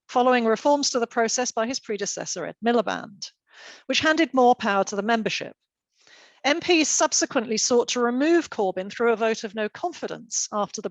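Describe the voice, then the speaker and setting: A woman's voice: fairly high pitch, no echo, lo-fi sound. Woman chairing a panel, dry sound. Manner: formal, orderly introductions. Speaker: event chair. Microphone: video call.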